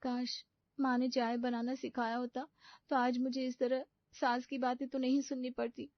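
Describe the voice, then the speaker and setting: Cartoon young bride, pampered, clueless, soft and nervous, woman-voiced, high, lo-fi. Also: little pitch movement, normal speed, no room sound, lightly acted. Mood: naive. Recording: dull lo-fi dry recording.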